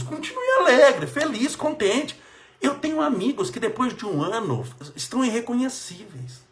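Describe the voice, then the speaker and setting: A man with a Brazilian accent gives a motivational religious talk. His voice sits high and swings widely in pitch. He hammers his points with repetition and the odd chuckle. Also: a bit bright. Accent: Brazilian Portuguese. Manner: emphatic, repeats phrases for stress, chuckles. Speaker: politician giving life advice.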